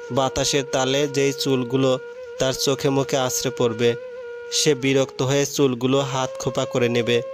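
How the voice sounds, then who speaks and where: A man reading the part of an arrogant, sharp-tongued young man back from abroad, with music behind. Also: medium pitch, close to an everyday voice. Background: background music.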